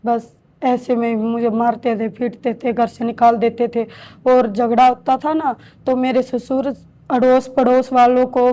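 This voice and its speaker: Interviewed in a shelter home, a woman in her thirties who survived domestic violence slowly tells her own story as emotional testimony. Her voice is on the high side with a dark tone, and she speaks hesitantly, halting and restarting.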